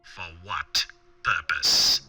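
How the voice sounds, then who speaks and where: A man voicing a mysterious, commanding man in black from a pulp story, in a low, menacing whisper with deliberate, halting delivery. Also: bright, forceful tone, soft background music, exaggerated voice. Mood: quietly menacing. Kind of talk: dramatic pulp audiobook reading.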